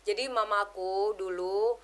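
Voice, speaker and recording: A woman giving an emotional personal testimony as a podcast guest, telling it in an animated way and keeping the host close in the talk. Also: mid-range voice, slow pace. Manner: animated storytelling, keeps addressing the host as brother; drops English words into her speech.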